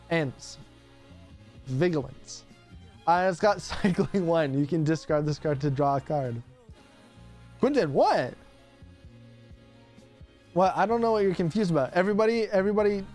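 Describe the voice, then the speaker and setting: A man's voice: a little high, darkish tone. A young man, a radio host streaming casually while opening cards, teasing his chat and laughing often.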